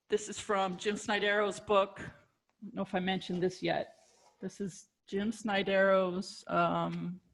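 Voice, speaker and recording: A woman's voice: mid-range voice, gravelly. A woman teaching saxophone on a video call, explaining at an easy pace with ums and restarts. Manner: relaxed explaining with fillers and restarts. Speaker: saxophone instructor. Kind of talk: online music lesson.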